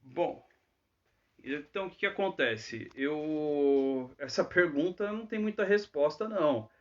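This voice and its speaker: A man's voice: a little high, lively intonation, a little slow, dull audio. A man teaching English in a live Q&A, chatty and always checking in with tag questions. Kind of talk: live Q&A lesson.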